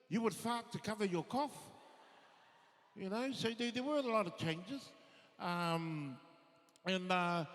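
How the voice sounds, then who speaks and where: A man works a theatre crowd with relaxed, self-mocking stand-up, full of ums and you-knows. His slightly high voice travels through the long reverb of a large hall. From New Zealand, Samoan family. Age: 50s. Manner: laid-back, self-deprecating, many fillers. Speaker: stand-up comedian. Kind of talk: stand-up comedy set. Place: theatre stage.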